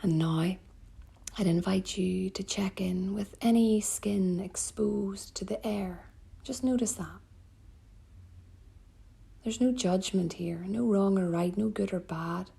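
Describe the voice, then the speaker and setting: A woman yoga teacher from Northern Ireland, guiding a sleep meditation in a soft, slow, soothing voice that often drops near a whisper. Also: mid-range voice, gravelly, husky.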